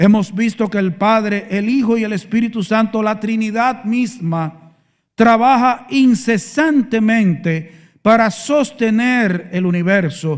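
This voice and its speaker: A man with a high pitch talks very slowly, his pitch varying in an ordinary way. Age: 60s. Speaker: pastor. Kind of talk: sermon. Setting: church.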